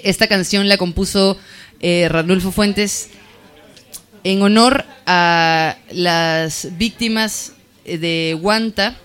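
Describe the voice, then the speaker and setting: A trans singer-songwriter with a Peruvian accent, introducing themselves and a song on the radio in a soft, halting way with many pauses. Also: medium pitch, clear, resonant tone. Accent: Peruvian Spanish. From Peru.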